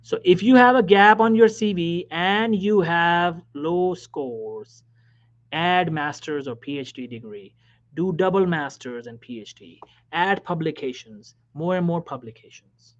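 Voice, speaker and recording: A man, a physician, giving career advice in a motivational talk, emphatic and repetitive, dropping now and then to a soft whisper. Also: on the high side, unhurried. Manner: emphatic, repeats key phrases, drops suddenly to soft whispers. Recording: dull lo-fi recording.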